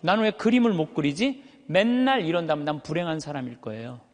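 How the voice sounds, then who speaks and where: A man's voice: lively intonation, fast talker. A man, a Catholic priest with a thick, carrying voice, preaching emphatically to a live audience with rhetorical questions. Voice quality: high but thick, full voice that carries. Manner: emphatic, uses rhetorical questions and stretched words for effect. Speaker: Catholic priest giving a lecture. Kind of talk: animated motivational sermon to a live audience. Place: large hall, speaking to an audience. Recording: reverberant hall.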